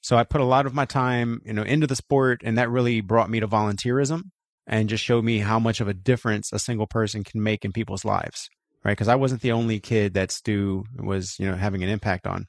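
Male guest from Florida, lowish voice, relaxed rambling storyteller, dry sound. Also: brisk, vocal fry, dry recording. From Florida, USA. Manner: relaxed, frequent "you know" and "right?". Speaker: guest, co-founder of a voting rights group. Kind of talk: casual personal storytelling.

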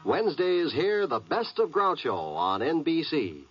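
An American man reads a scripted 1950s radio promo as network announcer. His voice is fairly high and very varied in pitch, heard on a muffled old recording. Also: huge pitch swings, moderate pace, soft background music.

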